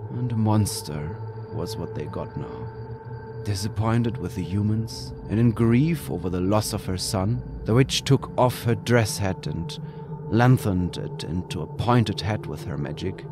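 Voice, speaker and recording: Man, horror story narration, slow and brooding, gravelly low voice, hushed whispers, faint music behind. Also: expressive. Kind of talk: dramatic scripted horror narration.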